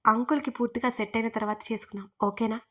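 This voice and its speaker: A woman's voice: a little high, steady tone, fast talker, natural voice. A woman voicing a stern but tender young man speaking curtly to his fiancée, in a storybook romance. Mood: gruff.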